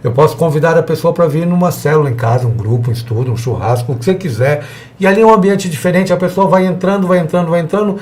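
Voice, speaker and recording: A man's voice: on the high side, fast talker, darkish tone. A man teaching a church evangelism class in a conversational way, acting out little dialogues with the people he talks to. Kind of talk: church seminar lesson.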